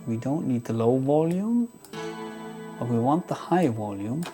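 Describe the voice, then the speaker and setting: A man's voice: medium pitch, animated, measured pace. A man giving a casual, unscripted guitar gear demo, thinking aloud in a hesitant way.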